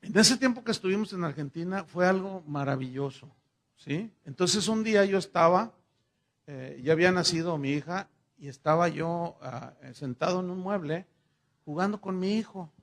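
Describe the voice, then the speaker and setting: A middle-aged Mexican pastor delivers a sermon in a relaxed, conversational way. He voices both sides of the conversations in his stories. His voice sits high for a man and carries a gravelly rasp. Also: normal speed. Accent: Mexican Spanish. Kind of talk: sermon with personal storytelling.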